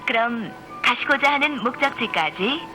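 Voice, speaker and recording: Formal and courteous, a woman reads a scripted passenger announcement for a bus, her slightly high voice animated at normal speed. The announcement is pre-recorded with music in the background.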